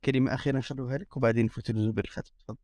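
A man's voice: medium pitch, fairly even intonation, very fast, a little mellow, dry recording, clean studio sound. A man, hosting a podcast and steadily wrapping up the episode. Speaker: podcast host. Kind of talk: closing remarks in a podcast.

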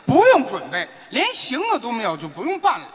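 A man performing stage crosstalk comedy, bantering in a quick, teasing way. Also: extremely high pitch, huge pitch swings. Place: large theater stage.

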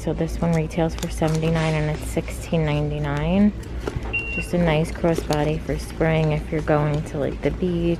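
Low, flat-voiced woman vlogging in a store. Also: low-quality recording. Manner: low-key, steady price-listing commentary. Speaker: shopping vlogger. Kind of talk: casual shop-with-me narration. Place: large retail store, indoors. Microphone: handheld phone camera. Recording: store noise in background. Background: store ambience noise.

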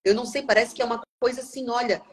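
A woman's voice: a little high, fairly even intonation, racing. A woman in her thirties hosting a casual interview over a video call from a small office, chatty, with many restarts. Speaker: interviewer host. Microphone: video call, webcam.

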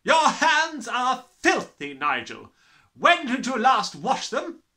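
A man voicing a huge, bullying headmistress, bellowing with scornful, drawn-out menace in a storybook reading. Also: extremely high pitch, wildly swooping pitch, bright, forceful tone, voice pushed up, exaggerated voice. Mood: furious bellowing. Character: huge, bullying, furious tyrant headmistress, adult woman.

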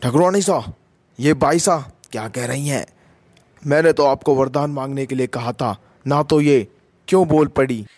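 A man's voice: mid-range voice, normal speed, darkish tone, no room sound, natural voice. A man playing a devout wandering Hindu holy man in a radio drama, with a reverent, chanting manner. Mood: agitated, offended.

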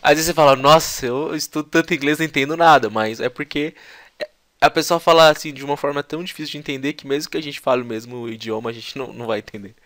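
A man's voice: on the high side, fairly even intonation, quick pace, fairly bright tone, no room sound. Brazilian man teaching English, slangy. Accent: Brazilian Portuguese. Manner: slangy, chatty, breaks into English imitations. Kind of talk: casual explanatory lesson.

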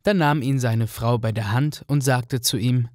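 A man narrating a fairy-tale radio play in a calm, clear storytelling manner. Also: medium pitch, a little slow, no room sound, clean studio sound. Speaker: narrator, also voicing the fisherman.

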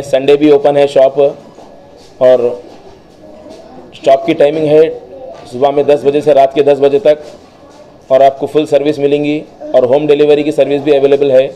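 A man's voice: medium pitch, dark tone, slight background noise, poor audio. A man who owns an optical shop, speaking at a press event in his crowded store and promoting its services. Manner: promotional, listing services and phone numbers. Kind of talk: press statement. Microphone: cluster of press microphones on table.

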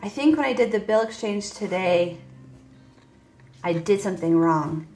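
A woman's voice: mid-range voice, animated, normal speed, dark tone, echoey room, faint music behind. A woman in her forties, chatting casually to viewers about her budget while counting cash at a table. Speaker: budgeting vlogger. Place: indoors at a table. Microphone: voice heard over top-down table camera, hands only.

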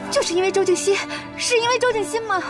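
A woman's voice: extremely high pitch, quick pace, over music. An actress playing a headstrong, lovesick young lady of a rich family in a period TV drama, tearful and demanding. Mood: pleading. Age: young adult. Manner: tearful and demanding, pleading then scolding.

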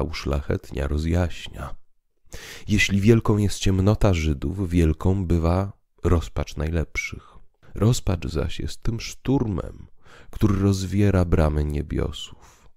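Very deep, solemn priest played by a man. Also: vocal fry, a little mellow, dry recording, studio quality, full character voice. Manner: solemn, deliberate, oratorical. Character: calm, grave priest telling visionary tales. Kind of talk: dramatized literary audiobook reading.

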